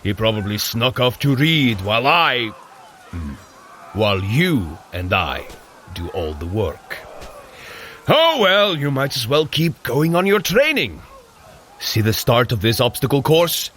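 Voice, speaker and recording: An actor playing a boisterous, cheerful Norse warrior god in an audio drama, with theatrical, grand old-fashioned phrasing. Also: male voice, medium pitch, big pitch swings, a little slow, a bit bright. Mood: grumbling, hearty.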